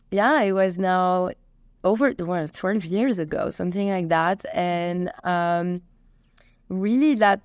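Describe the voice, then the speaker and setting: A woman in her thirties from Belgium with a Belgian accent, chatty and animated as she answers interview questions. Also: mid-range voice, no echo, studio quality. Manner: chatty, animated storytelling with restarts. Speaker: company co-founder and CEO.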